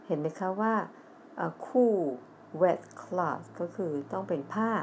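This is a middle-aged woman with a Thai accent who teaches English on a TV lesson. She speaks at a slow, deliberate pace and reads the lines of a children's story aloud before explaining them. She spells words out letter by letter, and a faint hiss sits behind her voice. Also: lowish voice, darkish tone.

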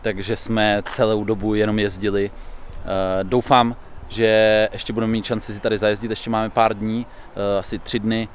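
A young man speaking casually to a camera held at arm's length outdoors, upbeat and relaxed, with frequent hesitation sounds. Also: lowish voice, slight background noise. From Czech Republic. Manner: relaxed, upbeat, many "eh" fillers. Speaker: pro mountain biker vlogger. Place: outdoor dirt jump park. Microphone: action camera at arm's length.

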